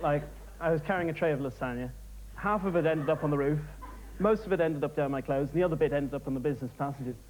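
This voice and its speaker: With an Irish accent, a man talks at a very fast pace in a fairly high voice with ordinary pitch variation. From Ireland, Dublin. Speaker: game show contestant. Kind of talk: casual chat. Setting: TV studio with audience. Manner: hesitant.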